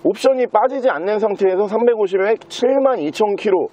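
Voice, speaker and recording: A man's voice: sits high, lively intonation, fairly quick, mellow. A man presenting a used car in a walkaround sales video, talking in the fluent patter of a car salesman.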